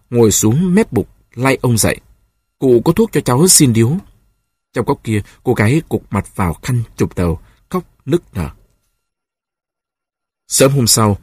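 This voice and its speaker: A man narrates an audiobook with a husky voice at a middle pitch. His reading is steady and emotive, recorded dry and close. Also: no echo.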